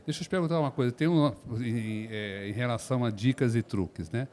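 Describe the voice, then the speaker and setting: A man from São Paulo hosting a podcast interview, friendly and quick with short acknowledgements. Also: mid-range voice, warm tone, a little hiss or hum. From São Paulo, Brazil.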